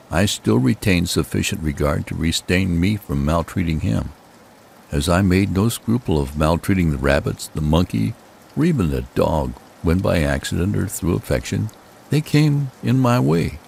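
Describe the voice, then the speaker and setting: A man with a gravelly, husky voice narrating a gothic horror tale in the first person, with dramatic, deliberate phrasing. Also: sits low, animated, darkish tone, slight background noise.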